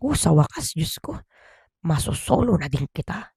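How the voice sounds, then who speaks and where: A woman voicing a gruff middle-aged father who barks orders in a raised voice, then murmurs low to his wife. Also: sing-song, normal speed, warm tone, no room sound, studio quality, exaggerated voice. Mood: sly murmur. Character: gruff angry middle-aged dad, then sly husband.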